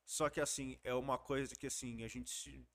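Brazilian guy on a podcast, chill slangy storytelling, mid pitch. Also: level tone, normal speed, fairly bright tone. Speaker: podcast guest. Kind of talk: casual storytelling chat.

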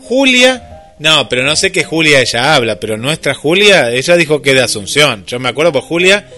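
A man's voice: a little high, big pitch swings, normal speed, bright, forceful tone, soft background music. A man with an Argentine Rioplatense accent hosting casual radio chat, thinking aloud with plenty of fillers. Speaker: radio host.

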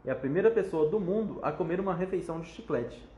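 A man's voice: on the high side, lively intonation, fast, dark tone, reverberant, highs cut off, close to an everyday voice. A man doing a bellowing, blustering father. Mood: proud. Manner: bellowing, commanding. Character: blustering proud middle-aged father.

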